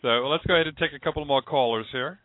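A man's voice: fairly high pitch, very fast, no room sound. A man from Rhode Island hosting a call-in show in a casual radio style. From Rhode Island, United States. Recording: narrow, phone-like sound.

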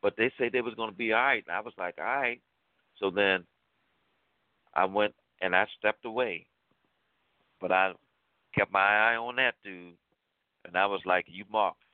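A man's voice: on the low side, normal speed, pauses often, no room sound. Man telling a story over a tinny line. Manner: animated storyteller, acts out quoted lines, colloquial. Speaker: radio talk show co-host. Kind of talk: storytelling on a call-in talk show. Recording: tinny phone-line sound, dry.

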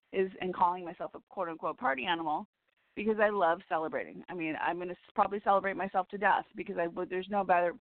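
A woman hosts a spiritual call-in show in a scratchy, hoarse voice, talking in a rambling, heartfelt way and breaking into small laughs. She comes through a tinny phone line with a dry, close sound and no room around her. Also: on the low side, no room sound. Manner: chatty and heartfelt, with little laughs and restarts. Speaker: radio show host and psychic reader. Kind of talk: rambling spiritual radio monologue.

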